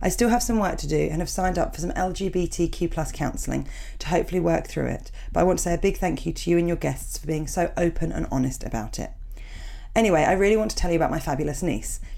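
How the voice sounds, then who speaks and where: With a southern English accent, a woman speaks. Her pace is very fast. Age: 30s. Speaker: podcast host and touring comedian. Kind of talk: casual monologue.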